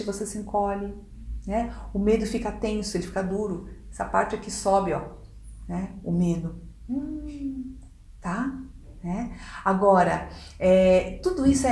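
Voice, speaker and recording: A woman with a Brazilian accent giving a casual coaching lesson in an expressive, demonstrative way, often checking in with quick tag questions. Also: mid-range voice. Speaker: communication coach. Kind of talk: casual instructional video talk. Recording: echoey room.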